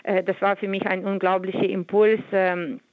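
A Ukrainian-accented woman in her forties speaks over a tinny, narrow-band telephone line with a dry sound. She is a conductor guest, talking fluently but with frequent fillers, small restarts and searching pauses, and German is not her first language. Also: medium pitch, flat delivery, dry recording. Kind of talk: phone interview.

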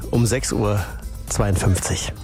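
A man's voice: lowish voice, steady tone, slow pace, loud music behind the voice. A man hosting a morning radio show in an easygoing, chatty way. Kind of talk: casual radio presenting.

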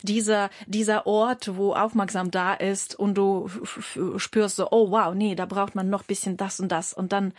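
A woman's voice: medium pitch, level tone, normal speed, few pauses, dry recording, clean studio sound. A Ukrainian woman with a Ukrainian accent, a musician being interviewed, talking thoughtfully and searching for words with many fillers. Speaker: musician guest. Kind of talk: interview conversation.

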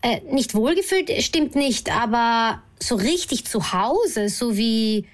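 A young actress answering radio interview questions thoughtfully, with many hesitations and restarts. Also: female voice, fairly high pitch, lively intonation, slow. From Austria.

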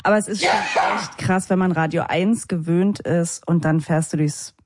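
A woman's voice: on the low side, fairly even intonation, normal speed, a little mellow, dry recording. A woman who presents on radio and co-hosts a podcast, bantering casually with teasing, blunt, dry retorts.

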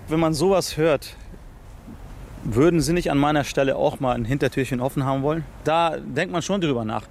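A man's voice: on the high side, a little fast, gravelly, a little mellow, a little hiss or hum. A man from Afghanistan speaking earnestly in an interview outdoors in a city, often restarting his sentences. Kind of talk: personal interview.

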